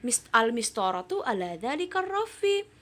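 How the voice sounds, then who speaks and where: A woman voicing a polite, helpful male shopkeeper, reading his lines slowly and brightly above her own voice. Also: on the high side, sing-song.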